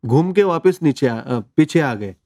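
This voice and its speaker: A man tells his own story as an interview guest. His voice is mellow and relaxed, and he talks earnestly, slipping English words into his speech. The recording is dry and close. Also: mid-range voice, a little slow, dry recording. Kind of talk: conversational personal testimony.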